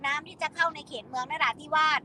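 A woman hosting a live news discussion, asking quick questions about the flood. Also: high-pitched, fairly even intonation, bright, forceful tone, slight background noise. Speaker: news host.

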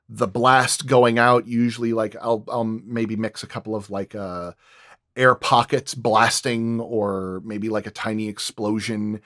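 A man's voice: on the low side, a bit bright. A man who works as a sound designer, talking casually at a roundtable and explaining his craft with examples, often thinking aloud as he goes.

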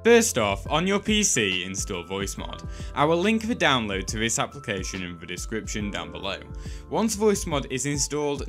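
A man's voice: lowish voice, a bit bright. A man reads scripted step-by-step instructions as a tutorial host, with emphatic sing-song phrasing that drops at sentence ends. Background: background music.

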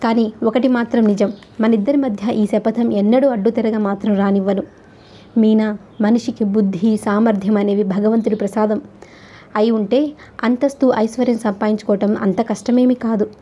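A woman reading the lines of an earnest, protective young husband in a gentle but firm, low voice. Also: steady tone, moderate pace, muffled recording, lightly acted. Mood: resolute.

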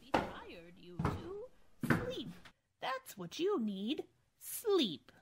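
A woman's voice: high voice, wildly swooping pitch, extremely slow, very noisy, full character voice. A woman playing an evasive, insistent old aunt in a radio horror drama. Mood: soothing, evasive. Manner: insistent, repeating phrases. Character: eerie, evasive old aunt, coaxing and snappish. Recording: music behind the voice.

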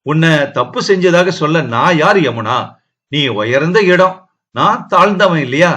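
A man's voice: a little high, lively intonation, measured pace, bright, forceful tone. A man reading the part of a defensive young husband in an audiobook, bitter and sarcastic in tone.

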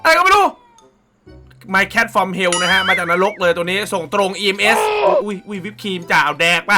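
A man hosting a casual reaction video, excitable and full of exclamations and swearing. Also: high voice, normal speed. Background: background music.

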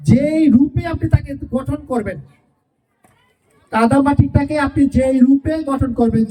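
This farewell speech comes from a woman teacher speaking to parents at a school gathering, using rhetorical questions and repeated phrases to drive her points home. Her voice is high-pitched and dark in tone, and it sounds far away.

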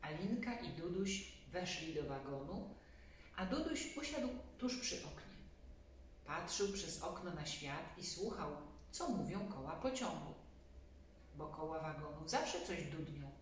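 Unhurried woman reading to children, echoey room. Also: low-pitched. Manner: expressive, addresses children directly. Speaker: storybook reader. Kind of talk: children's story reading with casual asides. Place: small indoor room, seated on a sofa. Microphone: camera a few metres away. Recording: very echoey room, distant mic, faint noise.

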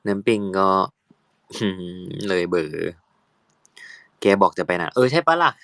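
Young male actor, low-pitched and unhurried, dry close phone sound, playful casual fan chat. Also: animated, a bit bright, no room sound. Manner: chatty, playful, switches into halting English.

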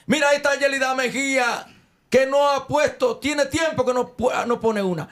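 A man's voice: very high voice, normal speed, a bit bright. A man giving emphatic, lecturing commentary into a desk microphone in a studio. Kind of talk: opinionated commentary. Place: studio with red panels. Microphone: headset and desk mic.

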